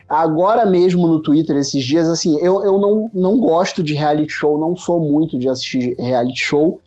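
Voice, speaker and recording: Talking as a podcast guest in relaxed Rio street slang, this Carioca-accented man from Rio de Janeiro, Brazil has a fairly high, dark voice and a moderate pace. The recording comes from a mobile phone, sounding muffled, with background music.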